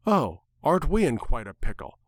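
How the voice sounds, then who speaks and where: A man's voice: medium pitch, sing-song, moderate pace, no room sound, studio quality, voice pushed up. Man voicing a haughty, sarcastic female bird. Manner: sarcastic, contemptuous, formal diction.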